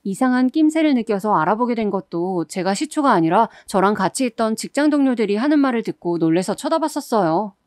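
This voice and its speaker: A woman's voice: medium pitch, lively intonation, fairly quick, few pauses, a little mellow, no echo, clean studio sound. A woman reading a first-person story as a radio-style narrator, in a confiding storytelling manner.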